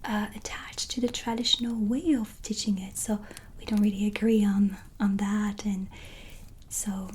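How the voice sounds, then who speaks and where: A woman playing a gentle, kindly white witch in a soft-spoken ASMR roleplay, breathy and near a whisper, with a hesitant, soothing manner. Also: medium pitch, flat delivery, normal speed, a little hiss or hum, natural voice. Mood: calm, musing. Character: gentle, unhurried white witch, kindly tarot reader and hostess. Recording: soft music behind. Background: relaxing music and ambience.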